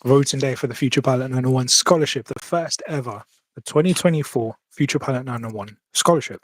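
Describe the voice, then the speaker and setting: A man's voice: mid-range voice, quick pace, dry recording. A man hosting a casual podcast in an upbeat, easygoing way. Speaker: podcast host. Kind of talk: casual chat.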